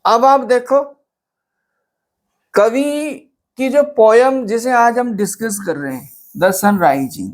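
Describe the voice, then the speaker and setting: A teacher delivers an exam-prep lecture at a notably unhurried pace. They pose questions to the class, then answer them, stretching key words for emphasis. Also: mid-range voice. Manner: slow, repeats questions back to students and answers them. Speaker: English literature teacher.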